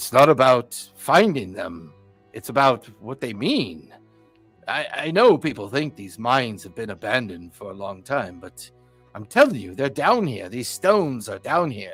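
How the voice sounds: Putting on a gruff character voice at medium pitch, a man speaks at a moderate pace with very wide pitch swings and big swings in loudness, faint music in the background.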